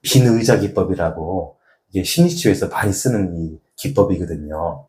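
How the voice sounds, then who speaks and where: A male pastor giving a sermon in a folksy, animated way, breaking into laughs and acting out little examples. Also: low voice, moderate pace. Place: church hall. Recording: echoey hall.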